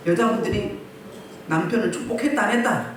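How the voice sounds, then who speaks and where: A woman's voice: mid-range voice, a little fast. Woman, pastor, preaching, rhetorical questions, heard from a distance, faint background noise. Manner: emphatic, fires rhetorical questions at the congregation. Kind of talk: sermon at a healing service. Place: church hall. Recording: very echoey hall, mic at a distance.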